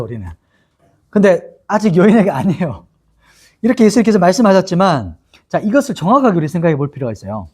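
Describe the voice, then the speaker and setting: A man's voice: high-pitched, dark tone, slightly rough. A male pastor teaching a Bible-study sermon in a chatty way, asking his listeners questions and laughing often.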